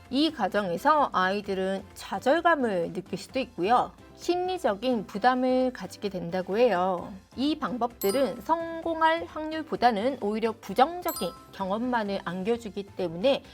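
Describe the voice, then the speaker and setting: A middle-aged woman hosts a parenting talk, speaking straight to viewers in a friendly, explaining manner. Her voice sits a little high. Soft background music plays under her. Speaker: parenting channel host. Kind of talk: advice talk to camera.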